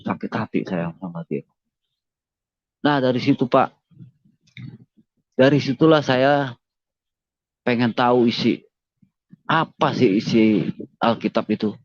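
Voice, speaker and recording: A man recounts his personal testimony to an interviewer in an earnest, heartfelt way, repeating his points and addressing his listener respectfully. His voice sits at an ordinary male pitch. The recording is dull and lo-fi, with a dry, close sound. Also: lively intonation, measured pace, long pauses, no room sound. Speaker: interviewee giving a conversion testimony.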